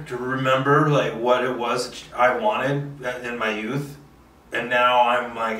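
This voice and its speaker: A man's voice: medium pitch, sharp tone, a little hiss or hum. A man hosting a solo video, rambling casually in a theatrical, self-mocking, sweary way. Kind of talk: rambling casual monologue to camera. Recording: roomy echo, distant mic, faint music.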